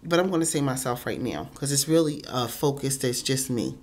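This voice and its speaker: Speaking briskly with an extremely low but animated voice, a woman vlogger gives an earnest, casual motivational talk into her phone. Her nose sounds blocked, and she says um a lot and repeats words.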